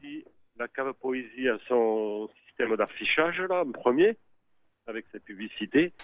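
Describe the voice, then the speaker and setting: A man's voice: mid-range voice, lively intonation, unhurried, dry recording. A man chatting casually and spontaneously in a hesitant, colloquial way, adding little tags at phrase ends, over a phone-like line. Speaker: interviewee, member of the public. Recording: tinny phone-like radio line.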